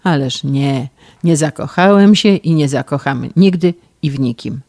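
A woman's voice: low voice, a little slow, vocal fry, warm tone, dry recording, clean studio sound, pitched below the performer's own voice, heavily acted. A woman voicing a gloomy, melodramatic young man who speaks in a sullen, brooding way in an audiobook reading.

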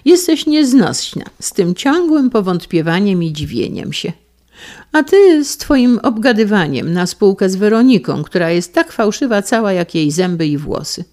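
A woman's voice: mid-range voice, big pitch swings, measured pace, darkish tone, pitched above the performer's own voice. Woman reader playing a quarrelsome husband, peevish, sarcastic, raised storybook voice. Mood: irritated. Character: irritable middle-aged husband, quarrelsome.

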